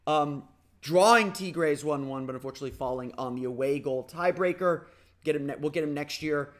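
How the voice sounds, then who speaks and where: A man hosting a casual sports podcast, talking energetically with a slightly raspy voice and frequent restarts. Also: on the high side, a little fast. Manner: energetic, rambling with restarts and fillers. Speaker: podcast host.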